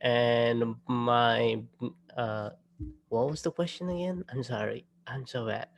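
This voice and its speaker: A man's voice: medium pitch, slow pace, gravelly. A man from Nepal, a student panelist, introducing himself in a casual, self-deprecating way. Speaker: student ambassador.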